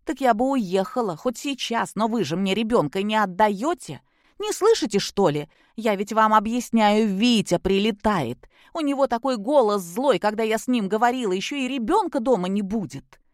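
A woman's voice: medium pitch, lively intonation, normal speed, a little mellow, dry recording, studio quality, pitched above the performer's own voice, lightly acted. A woman voicing a drunk, spiteful young mother who talks in a slurred, mocking, whiny way.

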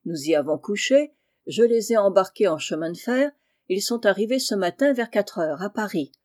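A woman voicing a kindly, blunt middle-aged male farmer in an audiobook, speaking low and hushed. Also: lively intonation, moderate pace, no room sound, clean studio sound, lightly acted. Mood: gruff. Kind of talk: audiobook character reading.

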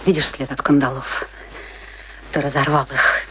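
Imperious gloating wife, radio drama, theatrical, biting, clearly noisy old recording. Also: female voice, rumbling low, little pitch movement, normal speed. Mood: provocative. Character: bitter, gloating, domineering wife in a dark drama. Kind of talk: radio play acting.

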